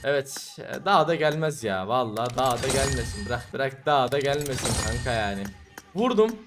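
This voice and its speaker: A man's voice: mid-range voice, animated, fairly quick. A young man commenting casually on a mobile game, exasperated and cursing at his bad luck. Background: music.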